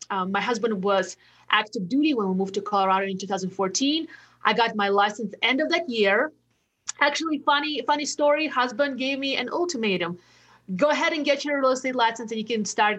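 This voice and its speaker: A woman with a Latvian accent speaks at a fairly high pitch with lively intonation. Her pace is fairly quick. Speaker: real estate agent. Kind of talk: casual interview chat. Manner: energetic, enthusiastic.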